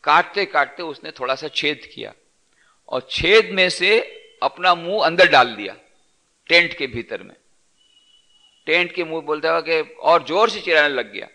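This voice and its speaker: Male preacher, storytelling sermon, bright tone, repeats key phrases. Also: on the high side, animated, measured pace, pauses often. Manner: repetitive, storytelling teacher. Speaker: monk giving a discourse. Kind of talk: scripture discourse sermon.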